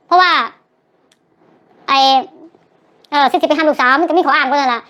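An older woman rattles on at a quick clip, her voice pitched high. She rambles and corrects herself as she tells her story, and her throat is sore. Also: fairly bright tone. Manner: rambling, chatty, self-correcting. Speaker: vlogger. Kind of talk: recorded clip of casual storytelling.

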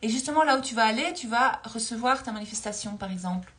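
A woman's voice: fairly high pitch, lively intonation, fast, a bit bright. A woman in her forties talking casually as a spiritual coach on a livestream, recorded on a phone held close in a dim room. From Belgium. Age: 40s. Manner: chatty, laughs often, reads viewer comments aloud.

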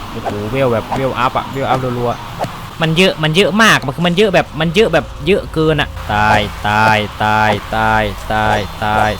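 A man casually commentating his own game session, excitable and prone to yelping and shouting when under attack. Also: mid-range voice, noisy background. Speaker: gaming channel host. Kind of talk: casual let's-play commentary.

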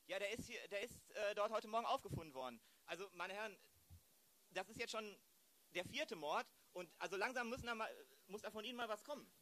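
Man acting a high, sharp, hurried police chief. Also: lively intonation. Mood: agitated. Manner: blustering, stumbling over words. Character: agitated, impatient male police chief. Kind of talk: improvised radio play acting.

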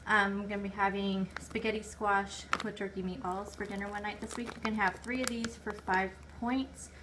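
A woman's voice: medium pitch, steady tone, normal speed, background noise. Chatty woman with crinkling bags. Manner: chatty, lists items and point values, self-corrects. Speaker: vlogger. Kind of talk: casual grocery haul show-and-tell. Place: home kitchen table. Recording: loud crinkling bags near the mic.

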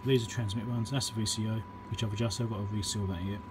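Working at an indoor electronics bench, a repairer and video host walks casually through each step of a fix, speaking fast in a lowish voice with fairly even intonation. The handheld camera or phone mic picks up loud hiss and background noise.

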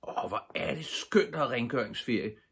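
A man's voice: mid-range voice, sing-song, vocal fry, fairly bright tone, husky, pitched above the performer's own voice, heavily acted. An older man reading aloud, voicing a sensible young boy in a plain, matter-of-fact way. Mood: eager.

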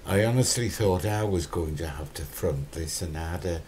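A man's voice: deep voice, moderate pace, darkish tone, a little hiss or hum. An older man co-hosting a casual studio chat, giving dry, understated replies. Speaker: co-host. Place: small studio with dark backdrop. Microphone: lapel.

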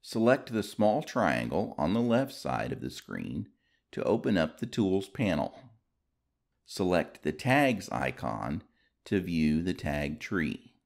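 A male tutorial narrator reads a scripted instructional passage in a measured, explanatory way with careful enunciation. His voice is low and sing-song, with vocal fry.

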